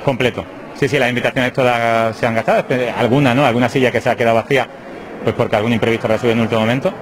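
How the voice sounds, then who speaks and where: A man in his thirties, a parish priest, talks fast and from the heart into a reporter's handheld mic. Clear chapel ambience sits behind him. He is inside a small whitewashed chapel by the altar. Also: mid-range voice, fairly even intonation, background noise. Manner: fast, heartfelt, thinking aloud. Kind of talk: interview answers.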